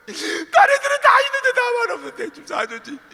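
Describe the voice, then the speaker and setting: A man's voice: extremely high pitch, wildly swooping pitch, very fast, creaky, pushed and bright, slight background noise, pitched above the performer's own voice, exaggerated voice. A pastor acting out a young boy who sobs and begs his mother for treats, in a church sermon. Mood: whining. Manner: sobbing, shrieking pleas.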